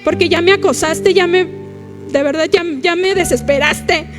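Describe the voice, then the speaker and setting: An exasperated, grumbling God, played by a Mexican woman preacher, worn down and ready to give in. The voice stays high and sounds fed up. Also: a little slow, over music.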